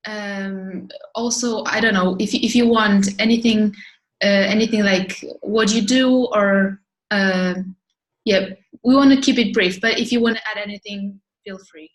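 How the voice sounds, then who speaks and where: A woman's voice: medium pitch, steady tone, measured pace. A woman leading an introduction round on a video call, hesitant and full of fillers. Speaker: moderator of introductions. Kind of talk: casual meeting facilitation.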